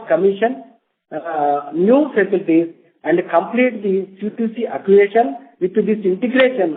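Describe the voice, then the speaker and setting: An Indian-accented man, a company executive, reads a formal scripted address in short, deliberate phrases over a conference phone line. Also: high voice. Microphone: telephone conference line. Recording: tinny narrowband phone line.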